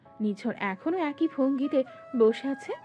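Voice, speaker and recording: High, mellow woman narrating a love story. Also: moderate pace. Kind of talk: scripted romantic story narration. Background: background music.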